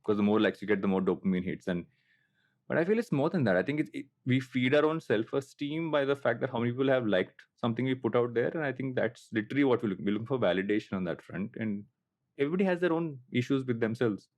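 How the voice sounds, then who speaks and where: A man's voice: medium pitch, expressive, fast talker, a little mellow. A man in his late thirties with a Telugu Indian accent, talking casually and reflectively as a podcast host, anecdotal and self-deprecating. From coastal Andhra Pradesh, India. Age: late 30s.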